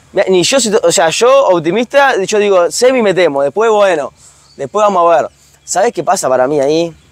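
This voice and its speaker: A speaker with lively intonation talks at a moderate pace, the loudness very even and the sound dry and close with no echo. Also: man, high pitch for a man. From Uruguay. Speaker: football content creator. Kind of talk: casual chat. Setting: football stadium.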